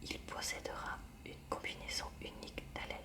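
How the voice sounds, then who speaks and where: A woman reading a textbook aloud in a hushed library whisper for ASMR, with short informal asides. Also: fairly quick, distant mic.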